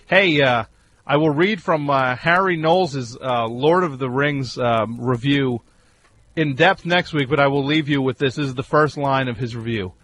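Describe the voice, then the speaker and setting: Teasing, deadpan male radio host. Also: mid-range voice, moderate pace, slight background noise. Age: 40s. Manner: mock-indignant, teasing, deadpan. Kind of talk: sarcastic call-in radio banter. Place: radio studio.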